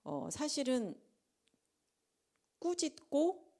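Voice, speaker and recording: Lively woman preaching a conversational sermon. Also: high voice, very slow. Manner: animated, acts out the disciples' and Jesus' lines in dramatized quotes; drops to a whisper for emphasis. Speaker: preacher at a late-night prayer meeting.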